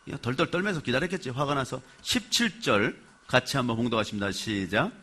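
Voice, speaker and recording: A male pastor with a mid-range voice talks fast as he preaches a sermon, telling the story with animated flair and putting questions to the congregation.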